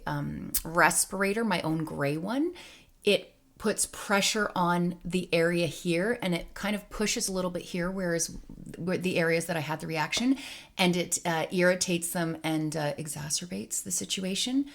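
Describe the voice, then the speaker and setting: Low-voiced chatty woman vlogger. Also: fairly bright tone. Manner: chatty, rambling, emotional, many fillers. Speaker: teacher and vlogger. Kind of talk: casual personal vlog.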